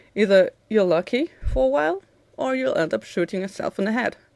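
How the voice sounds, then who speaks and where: In a very clean recording with a silent background, a woman speaks with a German accent. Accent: German accent, trouble with th. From Germany. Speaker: video blogger. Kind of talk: opinion monologue.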